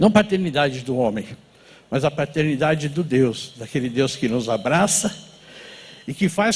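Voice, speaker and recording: Very wide pitch swings in a man's fairly slow delivery. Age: 60s. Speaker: pastor. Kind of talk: sermon. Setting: church.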